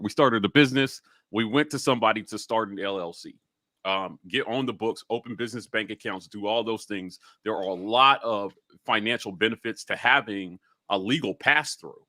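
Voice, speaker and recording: A man with a bright, forceful voice co-hosts a casual sports show. He is chatty and enthusiastic, and the sound is close and dry. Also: lowish voice, no room sound. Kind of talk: casual sponsor read and banter.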